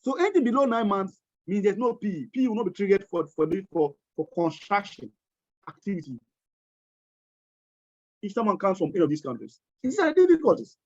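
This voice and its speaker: A man's voice: sits high, very animated, a little fast, a little mellow, dry recording. A man giving a webinar lecture, emphatic and often repeating or restarting his words. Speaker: webinar presenter on tax treaties. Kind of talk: lecture-style webinar talk. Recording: dull, lo-fi webinar audio.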